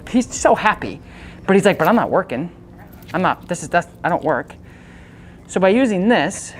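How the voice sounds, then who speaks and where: A woman's voice: fairly low pitch, a little mellow, slight background noise. A woman working as a dog trainer, coaching owners in a casual, chatty way and breaking off to give the dog short, upbeat commands.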